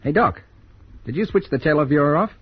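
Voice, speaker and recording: A man's voice: on the high side, animated, a little fast, breathy edge, no echo. An actor playing a blunt, confrontational, hot-tempered space crewman in a radio science fiction serial. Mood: suspicious. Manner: confrontational, sceptical. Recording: dull, faintly noisy old radio recording.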